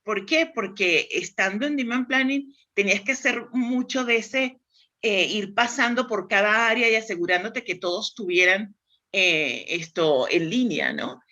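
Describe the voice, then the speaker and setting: In a conversational interview, a Spanish woman with a Spanish accent guests to talk through demand planning, thinking aloud and often restarting her sentences. Her voice sits at medium pitch with lively intonation, and she speaks a little slowly in a sharp tone.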